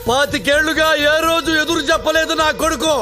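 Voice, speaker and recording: An actor playing a loud, menacing older father who shouts boastful threats in a comedy film scene, with music behind. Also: very high-pitched, steady tone, a little fast. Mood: ranting, threatening. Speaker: father of the hero. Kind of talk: Telugu film comedy acting.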